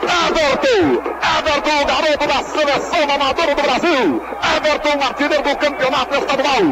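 A Brazilian man calling football with excited, repeated exclamations on a 1980s archive radio broadcast. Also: very high-pitched, normal speed, heavy background noise. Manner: repetitive, excited calls. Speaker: football commentator.

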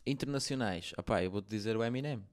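A man's voice: lowish voice, fast talker. A man from Portugal with a European Portuguese accent, chatting casually and in slang as a rapper being interviewed. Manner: slangy, informal. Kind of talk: casual chat.

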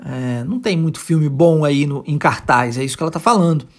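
Brazilian Portuguese-accented English teacher, patient and clear, breaks down pronunciation and repeats lines slowly for learners. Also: mid-range voice. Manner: patient, explains step by step and repeats phrases slowly. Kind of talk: podcast language lesson.

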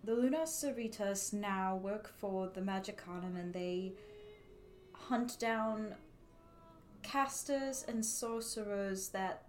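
A woman's voice: medium pitch, takes it slowly, darkish tone, soft background music. A woman player chatting casually during a tabletop game, hesitant with many ums and frequent laughs.

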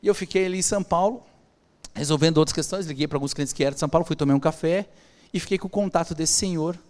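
A man with a Brazilian Portuguese accent telling a personal story as a podcast guest, acting out the dialogue in an animated way. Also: fairly high pitch, fast talker. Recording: long hall reverb.

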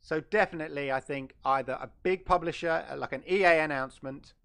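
A middle-aged man with a fairly high, gravelly, slightly bright voice speaks briskly while hosting a casual gaming livestream. He chats loosely and rambles, often correcting himself as he goes.

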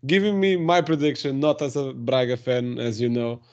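A man from Portugal hosting a podcast interview, speaking relaxed, non-native English. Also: medium pitch, moderate pace. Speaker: podcast host. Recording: slightly dull, lo-fi sound.

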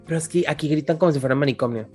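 Low-voiced Mexican woman telling stories. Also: rapid-fire, dark tone, soft background music. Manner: slangy storyteller, often laughing. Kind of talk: casual chat. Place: home room, remote call. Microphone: headphones.

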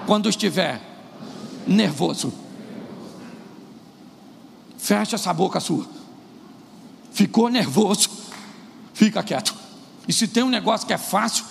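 A man preaching a sermon as pastor, animated, acting out scenes between couples. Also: high voice, creaky. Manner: animated preaching, acts out quarrels in put-on voices. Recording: echoey hall with faint noise.

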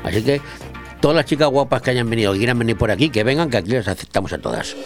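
A man's voice: medium pitch, very animated, very fast, faint music behind. A Spanish man hosting a radio show in a studio, joking and teasing his guest. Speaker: radio host. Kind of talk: radio chat interview.

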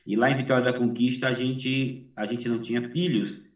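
A middle-aged man from Salvador, Brazil, a missionary pastor speaking in a chatty, warm way with self-deprecating humor. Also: mid-range voice, fairly even intonation, fairly quick, distant mic. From Salvador, Bahia, Brazil. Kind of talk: sermon over video call. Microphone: video call. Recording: dull, echoey video call from afar.

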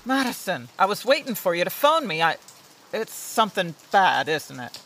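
A woman playing a melancholy, melodramatic rich lady in a noir radio play, speaking gravely with dramatic pauses. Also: on the low side, big pitch swings, noisy background. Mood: anxious, sorrowful. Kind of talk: old-time radio noir acting.

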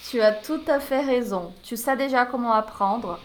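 A woman tutor in casual conversation, reassuring and encouraging, loose and relaxed in her phrasing. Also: on the high side, normal speed.

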